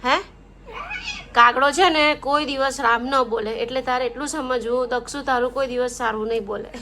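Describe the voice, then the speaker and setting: Mom vlogger in her thirties, high and bright, chatty and teasing with her kids. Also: fairly even intonation, normal speed. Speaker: mother and vlogger. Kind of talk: casual family vlog.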